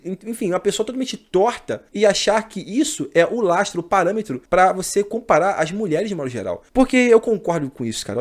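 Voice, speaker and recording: A man in his thirties from Brazil, talking casually to his viewers in a slangy monologue that keeps calling them brother and man. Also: a little high. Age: 30s. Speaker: channel host.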